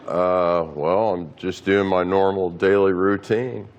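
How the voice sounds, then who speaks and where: A man appearing as a talk show guest, giving short, matter-of-fact answers. His voice is notably deep and low. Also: steady tone, slow pace, dull audio. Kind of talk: interview answers.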